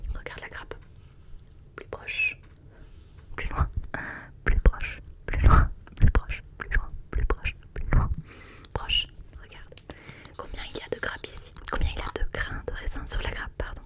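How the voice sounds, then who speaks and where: Pausing long and often, a woman whispers against noticeable background noise. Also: fairly slow pace. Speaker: ASMR artist. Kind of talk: ASMR roleplay, casual chatty talk to camera. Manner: whispered, soft-spoken, chatty.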